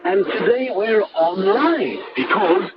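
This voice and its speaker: Loud noise and a dull shortwave signal surround a male radio host. His voice is high for a man and very lively in pitch, with upbeat, scripted co-host delivery. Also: slow. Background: loud shortwave static.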